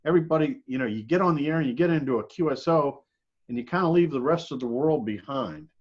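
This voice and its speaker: A man with a medium-pitched voice speaks in a casual, encouraging way. He sounds like a seasoned hobbyist in conversation, recorded with slightly muffled, lo-fi audio. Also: expressive, fast. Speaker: experienced ham radio hobbyist. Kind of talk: casual chat.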